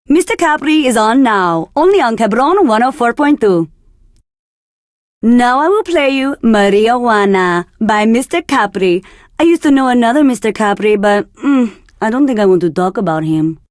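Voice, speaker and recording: A woman playing a sultry, flirtatious Latina radio DJ from Argentina in a video game, with breathy, teasing delivery. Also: medium pitch, darkish tone, no room sound, studio quality, close to an everyday voice. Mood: flirty, playful. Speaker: radio DJ host.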